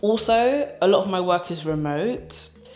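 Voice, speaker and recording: A woman's voice with noticeable background noise. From England. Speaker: content creator. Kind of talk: casual Q&A chat to camera. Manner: animated, conversational.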